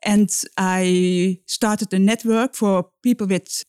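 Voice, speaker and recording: Middle-aged woman, halting speech. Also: mid-range voice, fairly even intonation, a little mellow, clean tone, dry recording, studio quality. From Netherlands. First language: Dutch. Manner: halting, restarting phrases. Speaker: guest expert. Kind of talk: podcast interview.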